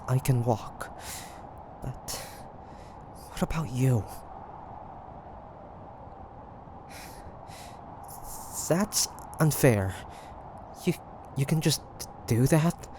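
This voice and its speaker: This take has the same grumpy, flustered demon hunter who secretly cares, voiced by a man in a roleplay audio drama; he sounds strained, halting and defensive. The voice is natural and medium-pitched, with background noise behind it.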